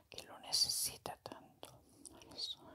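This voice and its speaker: Someone whispers at a fairly slow pace. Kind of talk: spoken prayer and invocation. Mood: calm, devout. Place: home room.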